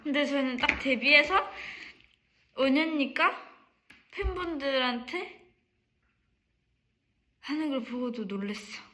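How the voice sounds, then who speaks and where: A young woman, the youngest member of an idol group, chatting casually on a livestream, excitable and teasing. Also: sits high, slow pace, long pauses. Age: young adult.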